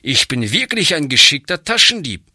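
A man's voice: on the high side, sing-song, moderate pace, sharp tone, no echo, clean studio sound, voice pushed up, full character voice. A man reading a storybook aloud, voicing a surly, defiant one-legged boy who grumbles bitterly. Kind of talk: audiobook reading.

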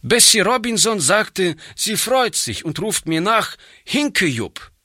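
A man's voice: high voice, sing-song, slow, pushed and bright, no echo, studio quality, pitched above the performer's own voice, heavily acted. A man voicing a surly, bitter boy thief. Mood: bitter, defiant. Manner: grumbling, defiant. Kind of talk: audiobook reading.

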